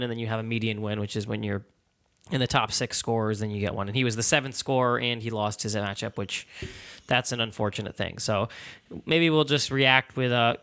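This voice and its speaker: A man's voice: mid-range voice, a bit bright, smooth. A man co-hosting a podcast, giving casual, conversational sports commentary. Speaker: podcast co-host.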